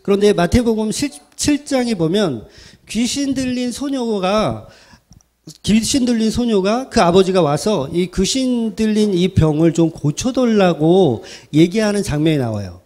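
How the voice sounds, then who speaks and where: A man's voice: high voice, lively intonation, unhurried, warm tone. A man preaching a sermon at a summer retreat as pastor, chatty and joking, asking the audience rhetorical questions.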